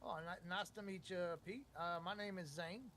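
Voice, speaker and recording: A man's voice: high voice, moderate pace, bright, forceful tone, slight background noise. A man chatting casually in roleplay, polite and folksy, with hesitant stammered repeats. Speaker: player in a zombie survival roleplay server. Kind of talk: casual in-character roleplay chat.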